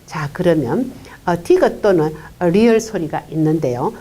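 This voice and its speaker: A woman teaching English pronunciation in a lecture, explaining unhurriedly with many "uh" fillers and quietly voicing single consonant sounds. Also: fairly low pitch, lively intonation, normal speed, slightly rough. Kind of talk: classroom-style pronunciation lecture.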